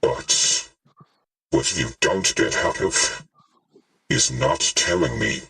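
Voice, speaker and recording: A man's voice: rumbling low, expressive, creaky, pushed and bright, recorded from a distance, soft background music, voice pushed down, exaggerated voice. A man voicing a cold, menacing villain with a tinny metallic voice as a tabletop game master. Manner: cold, threatening, slow and deliberate.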